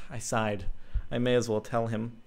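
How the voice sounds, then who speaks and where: A man's voice: mid-range voice, level tone, unhurried, creaky. A young man, host of his channel, casually reading a fan story aloud with frequent ums and chuckling asides.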